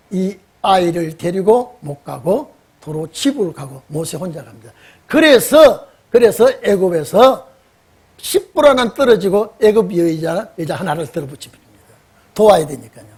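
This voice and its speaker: High-pitched, a little mellow, and slightly rough, this man's voice carries a lively sermon. The pastor narrates the story with acted-out dialogue and questions his congregation.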